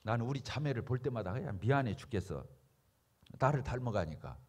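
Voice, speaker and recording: A man's voice: mid-range voice, animated, fairly quick, darkish tone. A man preaching a sermon as pastor, emphatic and full of rhetorical questions to the congregation.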